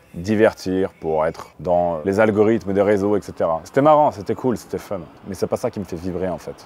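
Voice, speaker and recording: Music plays behind a man who speaks moderately fast at a fairly low pitch, his pitch varying in an ordinary way. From Russia. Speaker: online business coach and vlogger. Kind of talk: motivational talk with sales pitch. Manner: casual, emphatic.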